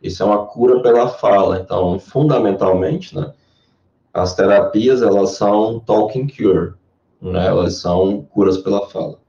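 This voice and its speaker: A man's voice: fairly low pitch, moderate pace, vocal fry, mellow, far from the mic. A man with a Brazilian Portuguese accent, a Jungian therapist answering interview questions in a careful, lecture-like way. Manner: explanatory, lecture-like. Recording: echoey dull lo-fi sound.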